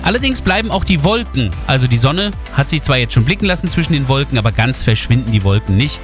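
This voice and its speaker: This studio radio host talks fast, his medium-pitched voice moving in a sing-song way as he delivers traffic and weather in a chatty manner straight to his audience. A music bed plays beneath his voice from the studio mic.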